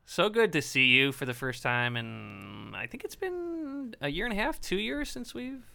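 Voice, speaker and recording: Ohio-accented male podcast co-host, bright tone, chatty and filler-heavy. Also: a little high, big pitch swings, moderate pace, creaky, soft background music. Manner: rambling, warm praise with many fillers. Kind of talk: casual podcast chat.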